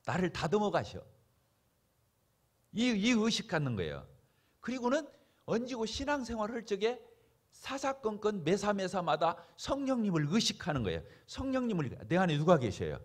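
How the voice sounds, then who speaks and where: A man's voice: high-pitched, huge pitch swings, moderate pace. A man preaching a sermon as pastor, emphatic and full of rhetorical questions to the congregation.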